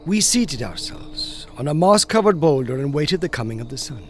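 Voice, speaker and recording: A male horror author reading a classic ghost story aloud in a measured, atmospheric storytelling manner. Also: on the high side, big pitch swings, faint music behind. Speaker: audiobook narrator and horror author.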